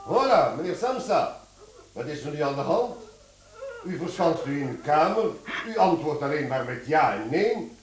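An actor in a radio play playing an officious, stern chief clerk who speaks formally and reproachfully. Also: male voice, on the high side, sing-song, moderate pace. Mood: stern, indignant. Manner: formal, pompous. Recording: echoey, slightly noisy radio drama recording.

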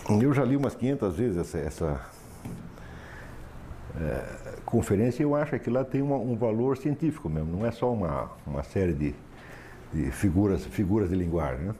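A man's voice: lowish voice, lively intonation, moderate pace, warm tone, a little hiss or hum. A man giving a philosophy lecture to a class, emphatic and sardonic, often asking for assent.

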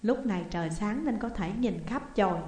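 A woman storyteller giving a steady, dramatic narration of a spooky tale, in a roomy recording with long reverb. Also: mid-range voice, brisk.

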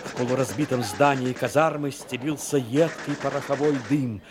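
A man's voice: medium pitch, normal speed, noisy background. A man reading scripted literary narration for a dramatic audio play. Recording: music under the voice.

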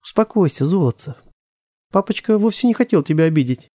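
A man's voice: very animated, normal speed, no echo, clean studio sound. A man voicing a young mother who coos tenderly over her son and flares up at her husband, in a storybook reading. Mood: tender cooing. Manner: soft cooing turning to shrill outbursts. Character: young mother, tender, protective, explosive when angry.

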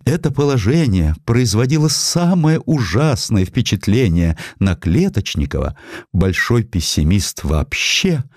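A man narrating historical prose as an audiobook reader, in an expressive, theatrical storytelling manner. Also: fairly low pitch, dry recording, clean studio sound.

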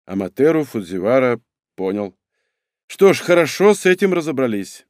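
A man reading aloud plays a blunt clan elder who teases and hurries things along. The voice swings lively in pitch and sounds dry and close. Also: moderate pace, dry recording, natural voice. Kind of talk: audiobook reading.

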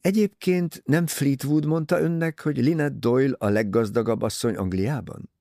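A man reading an audiobook, voicing a polite, sly older male detective who mocks gently. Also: mid-range voice, dry recording, studio quality, pitched above the performer's own voice, natural voice. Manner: smooth, gently mocking.

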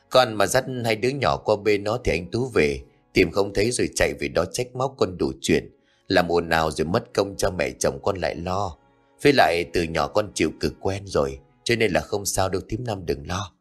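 Guy voicing a gentle worn-down young mom, soft and meek, lowish voice, music faint. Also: expressive, normal speed. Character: young abused mother, meek, patient and tearful.

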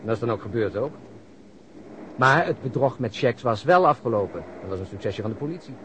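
An actor playing a wry, talkative police detective in a radio play, explaining things at length. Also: male voice, mid-range voice, lively intonation, a little fast, fairly bright tone, close to an everyday voice. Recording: noisy old radio recording.

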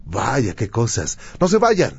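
A man hosting a radio call-in show, brisk and friendly with his caller. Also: medium pitch, wildly swooping pitch, vocal fry, husky, no echo, highs cut off. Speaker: radio host. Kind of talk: late-night radio call-in talk.

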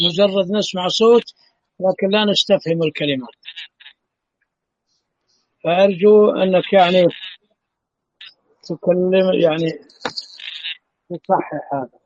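A man teaching an online class as the sheikh, speaking calmly and patiently. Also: high voice, unhurried, pauses often, dry recording, lo-fi sound. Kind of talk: online lesson, checking the audio.

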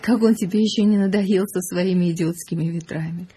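An actress playing an irritated, sceptical wife in a radio play, scornful and nagging, with a husky, creaky voice. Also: female voice, fairly low pitch, steady tone, a little fast, dark tone.

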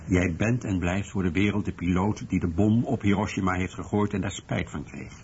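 A man playing a sober researcher and author, telling his recollections in a measured, literary way as in a radio drama. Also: low-pitched, fairly even intonation, darkish tone. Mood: earnest. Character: male researcher and author, sober, recalling his last meeting. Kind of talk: scripted first-person narration in a radio documentary drama. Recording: muffled radio recording with background noise.

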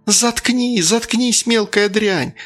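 A man voicing a hysterical, shrill middle-aged mother in a spoken story. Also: a little fast, gravelly, pushed and bright, soft background music, exaggerated voice. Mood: furious.

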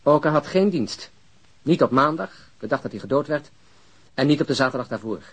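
A man's voice: a little high, animated, normal speed, slightly rough. A man playing a persistent police detective in a Dutch radio drama, questioning a bereaved woman bluntly and insistently. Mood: stern, forceful.

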